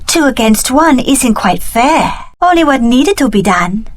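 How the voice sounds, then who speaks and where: A woman's voice: sits high, big pitch swings, unhurried, dry recording, heavily acted. A woman voicing a cunning young warrior heiress in a video game, with an articulate, dramatic delivery. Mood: smug, menacing.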